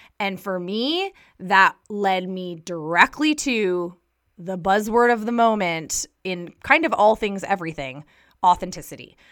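A woman talks at a fairly slow pace with a medium pitch and big swings in loudness. The recording is very clean, with a silent background. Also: lively intonation. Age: 30s. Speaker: podcast host and interior designer. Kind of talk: casual solo monologue. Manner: casual.

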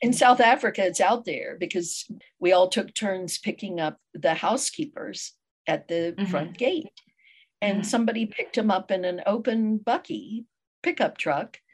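A woman speaks at a moderate pace with lively intonation. Her fairly high voice is somewhat breathy. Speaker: podcast host. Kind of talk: casual chat.

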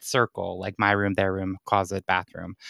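A man with an American accent speaks at a moderate pace. The recording is very clean with a silent background and a dry, close sound with no echo. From West Virginia, Parkersburg. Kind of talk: casual chat, storytelling. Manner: animated.

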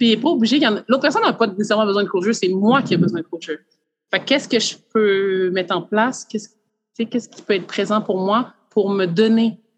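The woman's voice sits fairly high and varies in pitch in an ordinary way. She talks very fast. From Quebec. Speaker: NLP coach. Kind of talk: casual interview chat.

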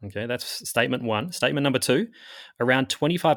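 A man with an Australian accent. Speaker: radiologist podcast host. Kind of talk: reading aloud. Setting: video call.

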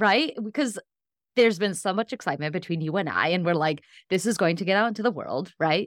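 A woman with an American accent is heard in a very clean, dry, close recording with a silent background and no echo. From Romanian family in Michigan. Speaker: podcast host. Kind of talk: casual interview chat. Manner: animated.

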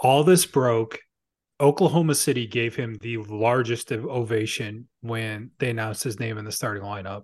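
With a plain, everyday voice, a man talks at a moderate pace and medium pitch, with ordinary pitch variation and big swings in loudness over a quiet background. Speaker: podcast co-host. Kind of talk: casual banter.

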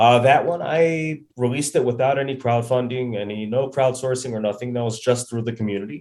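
A man's normal speaking voice with an American accent, medium pitch, fairly even intonation and a fairly quick pace. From Chicago. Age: 40s. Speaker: watch brand owner. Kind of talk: interview.

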